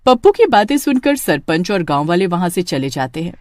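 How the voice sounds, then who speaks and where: A woman narrating an animated horror story in a steady, plain storytelling voice. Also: lowish voice, brisk, dry recording, clean studio sound.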